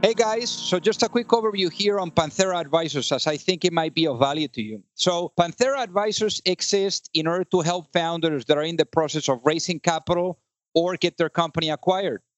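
A man with a high voice hosts a business podcast. He sounds upbeat and doubles up words for emphasis. The recording is close and dry. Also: brisk, no room sound. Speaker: podcast host. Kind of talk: podcast hosting and ad read.

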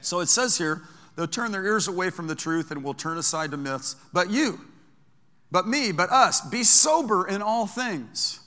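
A man's voice: sits high, expressive, moderate pace, sharp tone. An older man preaching a sermon as pastor, emphatic, stretching out key phrases. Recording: long hall reverb.

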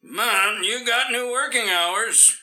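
An actor playing a brisk, commanding male doctor and boss in an old-time radio drama, hearty and quick to laugh. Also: high voice, sharp tone, full character voice, poor audio. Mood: firm friendly.

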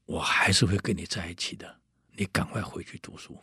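A man doing a soft-spoken fox-spirit bride. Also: deep voice, steady tone, brisk, breathy edge, no echo, clean studio sound, heavily acted. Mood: gently resigned. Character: gentle young fox-spirit wife.

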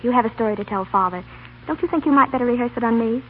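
A woman's voice: a little high, rapid-fire, slight background noise, lightly acted. A woman playing a breezy, teasing young dean's daughter in a 1930s radio comedy. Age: young adult. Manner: breezy, coaxing. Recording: tinny 1930s radio broadcast recording.

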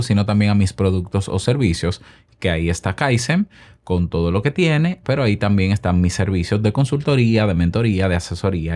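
Male podcast host from the Republic, slightly low voice, chatty solo monologue that pitches his own products. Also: a little mellow. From Dominican Republic. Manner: chatty and self-promoting, with rhetorical questions.

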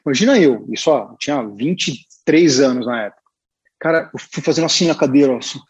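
A Brazilian man sits as a guest and tells a long story from his career in a loose, chatty way, full of fillers and asides. His voice is breathy and a little husky, at an ordinary male pitch. The recording sounds slightly dull and muffled. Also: quick pace. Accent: Brazilian Portuguese. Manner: animated, chatty, peppered with filler words. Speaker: guest illustrator. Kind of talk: casual storytelling.

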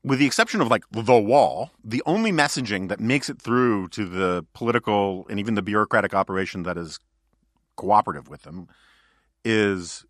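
A man's voice: fairly low pitch, a bit bright, no echo, clean studio sound. A male podcast host in casual political chat, talking in a wry, joking, digressive way.

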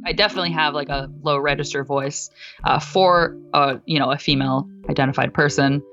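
A woman being interviewed, speaking in a relaxed, informal way in a dull lo-fi recording. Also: sits low, fairly quick, faint music behind. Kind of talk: casual chat.

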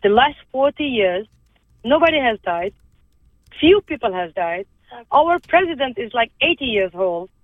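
Over the phone, a guest in a conversational interview speaks in a slightly high, sing-song voice. She is from Lebanon, her native language is Armenian, and she talks earnestly but haltingly, restarting often. The recording is dry.

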